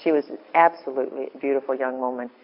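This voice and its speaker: A woman with a deep voice giving an informal, earnest talk to a women's group, often breaking off and restarting. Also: fairly even intonation, fast talker, dull audio. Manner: rambling, self-interrupting, earnest. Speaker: women's ministry speaker.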